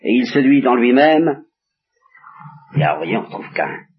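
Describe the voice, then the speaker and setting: A husky-voiced man at medium pitch, with wide pitch swings and a normal pace, reads scripture and comments on it for his listeners. He gives quoted lines small voice changes and breaks off to explain, all on a muffled 1960s tape.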